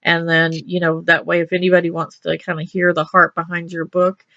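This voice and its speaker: Radio host woman from texas, middle-aged, talky and upbeat, sharp bright voice on a dry, slightly dull recording. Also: fairly low pitch, completely flat delivery, a little fast, no room sound. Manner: chatty and upbeat, many restarts and laughs. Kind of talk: casual interview chat.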